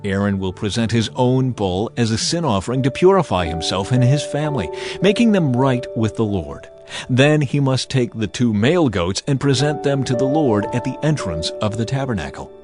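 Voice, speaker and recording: A man reads scripture as a scripted audiobook narrator, in a solemn, measured and declarative manner. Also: mid-range voice, expressive. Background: music.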